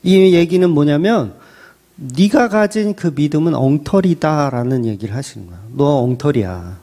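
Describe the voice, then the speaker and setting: Man, pastor, conversational sermon, animated pitch, mellow tone. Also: normal speed. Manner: conversational preaching, acts out quotes and asks the congregation questions.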